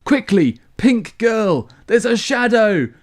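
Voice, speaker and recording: A streamer putting on the voice of a panicky lookout who urgently warns the others, with drawn-out calls. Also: medium pitch, sing-song, pitched above the performer's own voice. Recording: loud background noise.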